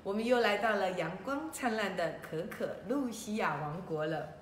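A woman hosting a children's story show, telling the tale in a lively way and speaking directly to the young listeners. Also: medium pitch, normal speed, a little hiss or hum. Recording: roomy echo.

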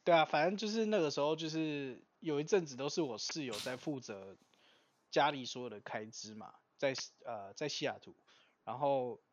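A man co-hosting a podcast in casual chat, telling a story in a relaxed, rambling way full of fillers. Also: mid-range voice, no room sound. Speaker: podcast co-host. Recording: dry, slightly dull podcast audio.

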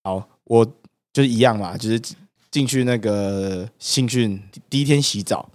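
A man's voice: lowish voice, moderate pace, darkish tone, no echo. A young man with a Taiwanese Mandarin accent, a podcast co-host telling stories and making wry, joking asides. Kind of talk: casual storytelling chat.

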